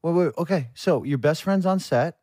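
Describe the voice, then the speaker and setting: A man's voice: fairly high pitch, moderate pace, darkish tone, dry recording, studio quality. A middle-aged man co-hosting a podcast, teasing the guest and pushing for details. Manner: teasing, jokey interviewer who pushes for details. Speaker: podcast co-host. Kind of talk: casual podcast chat.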